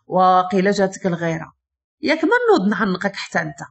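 A woman's voice: on the low side, sing-song, fast talker, creaky, husky, lo-fi sound, exaggerated voice. A woman with a Moroccan accent voicing a rich, flashy young man who jokes and boasts with his friend. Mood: playful. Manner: playful, boastful.

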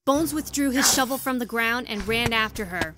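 A woman's voice: fairly high pitch, normal speed, background noise. A woman narrating a scripted story as the narrator of an audio drama.

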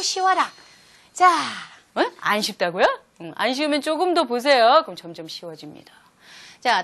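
A woman teaching a Korean-language lesson for children, lively and animated, asking the viewers questions and answering them herself. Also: a little high. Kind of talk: lecture video for children.

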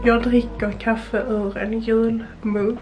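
Her voice sits a little high, level and somewhat dark, with faint music playing behind her as she chats through her cooking vlog, filler words and all. This twentysomething Swede is filmed by a camera set a bit back on the counter of her small kitchen. The room echoes and there's clear background noise.

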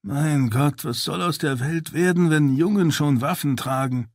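A man's voice: a little high, unhurried, darkish tone, no room sound, clean studio sound, voice pushed up. A man voicing a wounded, stubborn male prisoner who talks in a tired, wry way in an audiobook. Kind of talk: audiobook character voice.

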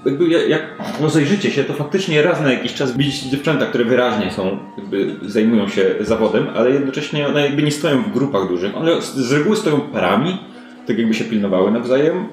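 A game master runs a tabletop role-playing game, improvising descriptive narration in a conversational way. His medium-pitched voice is brisk with lively intonation. Faint music plays behind him in a roomy, echoey indoor recording.

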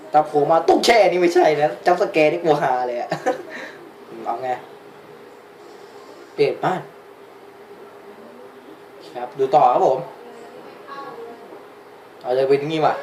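A man doing a casual reaction commentary, blurting out surprise and slang as he watches. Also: medium pitch. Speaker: anime reaction host. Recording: roomy with faint background noise.

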